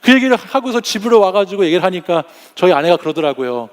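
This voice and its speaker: A man's voice: high voice, very animated, fast talker. A pastor in his forties preaching a sermon, telling humorous family stories and acting out his kids' voices. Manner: warm storytelling with humorous anecdotes; acts out family members' voices.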